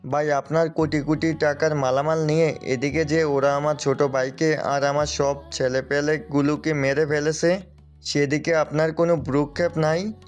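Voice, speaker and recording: A tearful henchman mourning his brother, acted by a man in a story audio drama. His voice sits a little high and barely moves. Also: little pitch movement, moderate pace, soft background music, lightly acted. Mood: grieving. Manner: pleading, tearful. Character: grieving male henchman who lost his brother.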